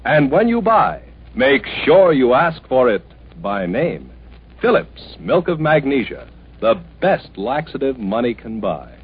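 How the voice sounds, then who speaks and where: An American man reading a chipper 1950s radio advertisement as announcer, in an emphatic, measured sales pitch. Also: very animated, background noise. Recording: muffled old radio broadcast, faint music.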